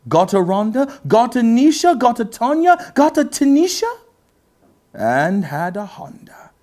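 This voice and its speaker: A man in his thirties playing a pompous aristocratic gentleman host, giving a theatrical mock-literary dramatic reading of rap lyrics. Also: very high voice, big pitch swings, exaggerated voice. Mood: theatrical, savoring. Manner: pompous, theatrical, drawn-out pauses. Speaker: comedy show host. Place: book-lined indoor study set, seated.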